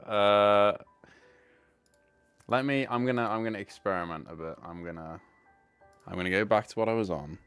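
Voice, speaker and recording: Male streamer, low clear voice, loose rambling chat over faint music. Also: moderate pace, pauses often, fairly bright tone. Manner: rambling, fixing tech while talking. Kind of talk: casual live stream chat.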